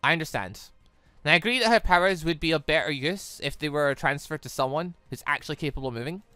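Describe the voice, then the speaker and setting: A woman acts out an earnest young female warrior weighed down by guilt. She is solemn and formal, with hesitations and a bright edge, over faint music. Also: deep voice, lively intonation, fast, clear, resonant tone, no echo. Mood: resolute.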